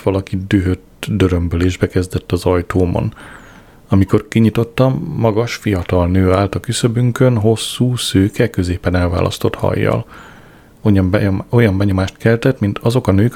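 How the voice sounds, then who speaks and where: A man reading a comic diary aloud as an audiobook narrator, with a dry, deadpan delivery. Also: deep voice, creaky.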